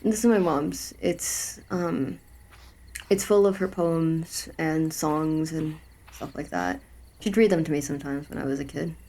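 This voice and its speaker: A woman playing a shy, sentimental young man who speaks haltingly. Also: sits low, dark tone.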